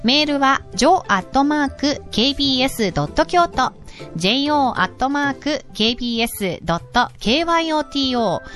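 High-voiced woman hosting a radio English corner. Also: animated, soft background music. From Georgia, United States. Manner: gentle, teacherly, reads announcements slowly. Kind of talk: casual radio chat.

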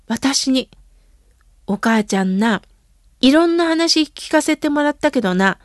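A woman, a radio host and temple priest, reading listener letters aloud in a gentle, unhurried way and answering them. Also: high-pitched, dry recording, studio quality.

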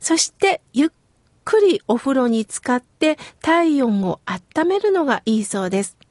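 A middle-aged woman from Kitakyushu giving gentle, slow, explanatory advice in a scripted talk. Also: high voice, very animated, no echo, studio quality. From Kitakyushu, Japan.

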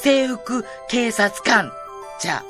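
A woman's voice: on the high side, expressive, slow, bright, forceful tone, soft background music, voice pushed up, heavily acted. A woman doing an impression of a brash alien girl in a radio studio, scolding in clipped sentences ending in "datcha". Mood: huffy.

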